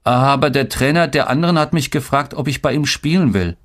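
A man's voice: mid-range voice, a little fast, a bit bright, voice pushed up, lightly acted. A man voicing a hesitant, timid young boy in an audiobook story. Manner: hesitant, pleading. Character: Dennis, timid ten-year-old boy.

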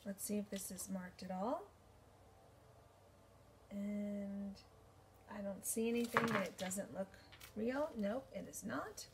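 A woman's voice: mid-range voice, takes it slowly, vocal fry, long pauses, heavy background noise. A woman in her forties, chatting casually and thinking aloud with many ums as she sorts jewelry in her bedroom, recorded by a camera at desk distance. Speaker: vintage jewelry reseller. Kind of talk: casual show-and-tell haul video. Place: bedroom, indoors.

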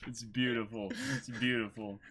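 A man's voice: medium pitch, flat delivery, moderate pace, fairly bright tone. A young man joking casually during a comic dramatic reading in a small room. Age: young adult. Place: small indoor room, against a backdrop.

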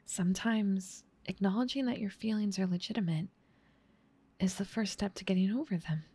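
A woman voicing a gentle, caring big sister in an ASMR roleplay, soft and slightly scratchy, tender and soothing, often whispering. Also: medium pitch, normal speed, slightly rough, lightly acted. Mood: tender, reassuring.

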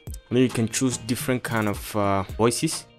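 A man giving an explanatory software tutorial as presenter, with formal, instructional phrasing. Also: mid-range voice, fairly even intonation, moderate pace. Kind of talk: explanatory screen-recording tutorial. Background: background music.

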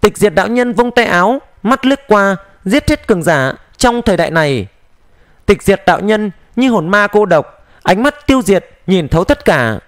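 A man narrating a fantasy novel as an audiobook in a smooth, steady storytelling manner. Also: high-pitched, moderate pace, no echo, studio quality. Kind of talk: dramatized audiobook reading of a xianxia novel.

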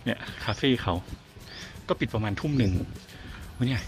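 A man's voice: medium pitch, normal speed, soft background music. Chatty man vlogging on foot. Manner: chatty, exclaiming, talks to viewers as everyone. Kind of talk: casual walking vlog. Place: outdoors on a street and in a garden cafe.

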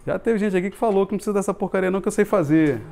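A man's voice: high voice, rapid-fire, gravelly, a little hiss or hum. Casual, jokey Brazilian man giving a talk. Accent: Brazilian Portuguese. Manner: informal, jokey, swears casually, lively hand gestures. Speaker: meetup speaker on UX. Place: small office meeting room with TV screen. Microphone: far camera.

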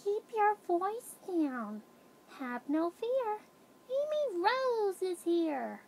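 Woman as a girlish cartoon hedgehog, very high voice, bubbly, feisty, theatrical, rumbly background noise. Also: big pitch swings, drawn-out words, darkish tone, heavily acted. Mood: hushed urgency, then confident, perky. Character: lovestruck, feisty young girl cartoon hedgehog. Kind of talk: cartoon character demo reel.

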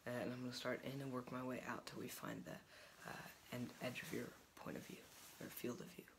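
A young man doing an ASMR doctor roleplay in a small home office, giving soft, partly whispered exam instructions with frequent hesitations into a laptop mic. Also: mid-range voice, flat delivery, a little fast, gravelly, slight background noise. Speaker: ASMR creator playing a doctor.

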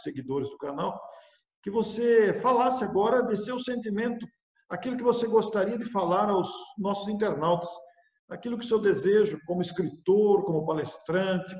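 A man's voice: sits high, a little mellow. A middle-aged man hosting a video-call interview, formally wrapping up and thanking viewers. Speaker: interviewer host. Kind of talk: closing an interview. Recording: roomy echoey video call audio.

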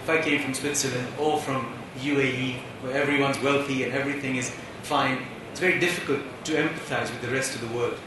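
A man's voice: mid-range voice, steady tone, fairly quick, few pauses. A man from India telling a wry personal story on a conference panel. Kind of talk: anecdotal speech. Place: large conference hall. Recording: echoey hall, distant mic, background hiss.

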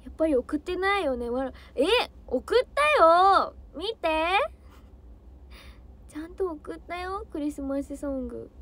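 A woman's voice: high voice, expressive, unhurried, fairly bright tone. A young woman, an idol trainee, chatting casually on a livestream, bubbly and easily flustered as she answers comments.

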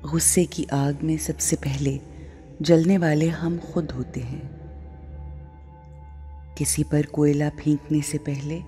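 A woman guides a meditation at an extremely slow pace, leaving long pauses between short phrases. Her tone is dark and mellow, and music plays behind her. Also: low-pitched. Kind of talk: guided meditation, spiritual talk.

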